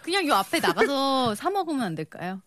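A woman's voice: high voice, sing-song, fairly quick, a bit bright, no echo. A woman announcer co-hosting a radio show in a studio, amused and agreeable in casual chat. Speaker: announcer co-host.

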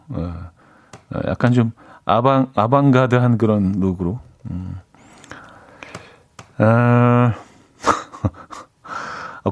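Chatty male radio DJ, lively voice. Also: mid-range voice, no echo. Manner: chatty, laughs at his own jokes, self-deprecating. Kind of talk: casual radio chat, reading listener texts. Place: radio studio. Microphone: studio microphone.

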